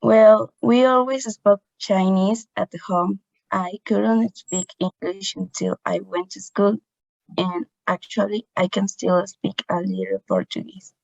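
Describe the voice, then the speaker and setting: A woman student reading a textbook dialogue aloud on a video call, careful and measured. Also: medium pitch, lively intonation, creaky, darkish tone, dry recording. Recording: dull, dry video call audio.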